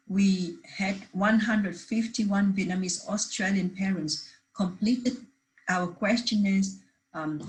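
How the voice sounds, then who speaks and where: A woman's voice: medium pitch, slight background noise, rough recording. A woman presenting a research paper at a conference, reading steadily from prepared slides with the odd restart.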